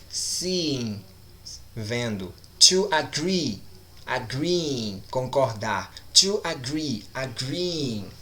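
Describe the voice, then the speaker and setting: A male teacher walks through English grammar in a recorded online lesson. He speaks slowly and deliberately at a middling pitch, with a bright, forward tone, and he keeps checking that his students are following. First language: Portuguese. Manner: slow, deliberate explaining, checks in with "certo?".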